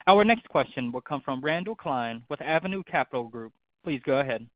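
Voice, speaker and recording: A man's voice: medium pitch, animated, fairly quick, no echo. A man working as a conference call operator, making scripted announcements over a slightly dull phone line.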